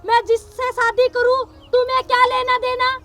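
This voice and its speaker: A woman's voice: very high-pitched, flat delivery, normal speed, noisy background. A woman playing a haughty older mother-in-law, the village headwoman, who scolds and boasts. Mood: domineering.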